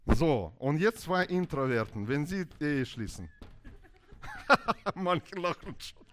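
A man with as his preaches to a congregation. His voice sits a little higher than most men's and swings widely in pitch, and he acts out arguing couples in quick bursts of dialogue. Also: a little hiss or hum. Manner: animated, acts out quarrels in dialogue, non-native German phrasing. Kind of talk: sermon on marriage.

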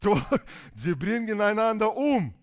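A man with as his preaches to a congregation. His voice sits a little higher than most men's and swings widely in pitch, and he acts out arguing couples in quick bursts of dialogue. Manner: animated, acts out quarrels in dialogue, non-native German phrasing. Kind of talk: sermon on marriage.

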